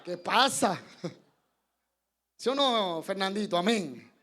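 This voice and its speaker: A male preacher delivers a sermon in a notably high voice. He speaks at an unhurried pace, drawing the congregation in with questions and little chuckles. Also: animated, pushed and bright. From Colombia. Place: church service.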